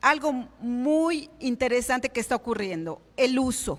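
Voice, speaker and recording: A woman talks fairly slowly. Her pitch sits high. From Mexico, Mérida, Yucatán. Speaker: academic speaker on technology and education. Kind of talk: lecture.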